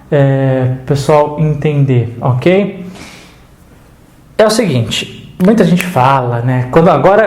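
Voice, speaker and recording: A man's voice: on the high side, a little mellow, reverberant. A man with a Brazilian Portuguese accent teaching an online grammar lesson, chatty and checking in often with the viewer.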